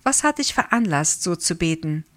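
A woman's voice: fairly low pitch, big pitch swings, moderate pace. A woman reading the questions of a curious, somewhat skeptical listener in a story.

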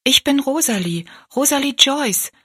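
An eager, earnest little girl from a storybook, as a woman reads her, pitched well above the reader's own voice. The tone is bright and clear. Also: expressive, measured pace, no echo, clean studio sound. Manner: high and earnest. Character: eager young girl searching for an old friend.

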